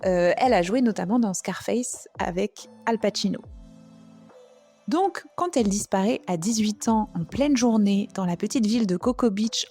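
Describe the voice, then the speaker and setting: French woman, true crime host, chatty storyteller, mellow voice, faint music behind. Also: medium pitch. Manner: chatty, conversational, with asides. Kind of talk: casual storytelling narration.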